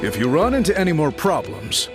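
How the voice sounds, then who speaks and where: An actor playing a measured, formal and dignified tribal leader in a video game. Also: male voice, a little high, very animated. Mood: courteous, grave. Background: background music.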